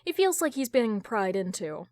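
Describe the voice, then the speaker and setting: A woman's voice: mid-range voice, big pitch swings, normal speed, darkish tone, dry recording. Woman narrating fiction, dry close sound. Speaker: podfic narrator. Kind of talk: scripted fiction narration with wry asides.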